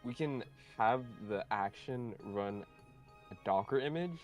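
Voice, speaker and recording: A man's voice: medium pitch, lively intonation, unhurried, faint music behind. A young man coding on a live stream with a friend, explaining each step in a plain, matter-of-fact way. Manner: matter-of-fact, narrates what he is doing. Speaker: co-developer, stream guest. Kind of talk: casual live coding chat.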